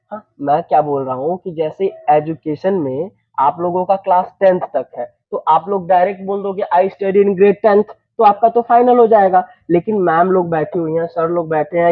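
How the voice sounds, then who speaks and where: High-voiced teacher, tinny phone-like sound. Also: male voice. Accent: Bhojpuri-influenced Hindi. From eastern Uttar Pradesh, India. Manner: repeats phrases, checks students understand, slows down for English sentences. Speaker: English teacher. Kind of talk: classroom lesson.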